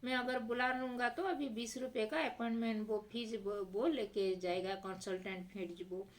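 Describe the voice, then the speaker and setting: A woman's voice: on the high side, fairly even intonation, moderate pace, close to an everyday voice. A woman voicing a dutiful male clerk in a plain, explaining tone, reading a storybook tale aloud. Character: dutiful male clerk, patient and matter-of-fact.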